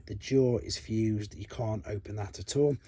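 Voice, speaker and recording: A man's voice: lowish voice, measured pace, mellow, slightly rough, no echo. A man giving an unscripted, chatty hands-on toy review, thinking aloud as he handles things. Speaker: toy collector and reviewer, channel host.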